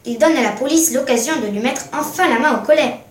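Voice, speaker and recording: A woman's voice: high voice, fairly quick, natural voice. Woman voicing a stunned indignant boy. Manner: emphatic, indignant. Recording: roomy echo, mic at a distance.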